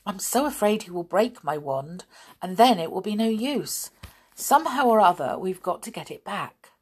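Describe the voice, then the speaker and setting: A woman's voice: medium pitch, animated, moderate pace, breathy edge. A woman voicing a plucky, indignant boy brownie. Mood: worried.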